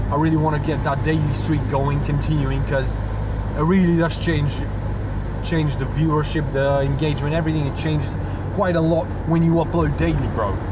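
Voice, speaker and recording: Loud background noise surrounds a man talking at a fairly quick pace. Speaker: vlogger driving. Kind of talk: casual vlog chat. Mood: relaxed, self-mocking. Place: car. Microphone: phone near.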